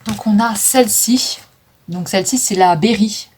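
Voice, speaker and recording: A woman's voice: medium pitch, unhurried, a little mellow. Woman, casual vlog chat, filler-heavy, phone mic, faint background noise. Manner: chatty, filler-heavy, stumbles on English names. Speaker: vlogger selling makeup. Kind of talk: casual makeup declutter vlog.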